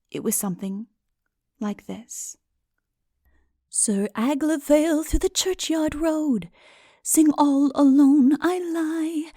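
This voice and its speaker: Soft-spoken woman narrating a dry-recorded audiobook. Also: mid-range voice, gravelly, no room sound. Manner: measured literary storytelling. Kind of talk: dramatic scripted narration.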